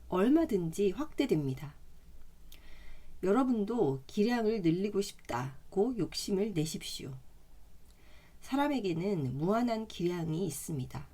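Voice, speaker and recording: A woman reading a self-help book aloud in a calm, measured way, adding chatty side comments, her throat slightly hoarse today. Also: medium pitch.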